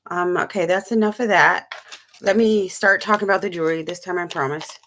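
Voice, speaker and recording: A woman's voice: on the low side, fairly even intonation, fairly quick, a bit bright, slight background noise. A woman who makes jewelry chats casually on a live stream, rambling with many ums as she shows her pieces to the camera.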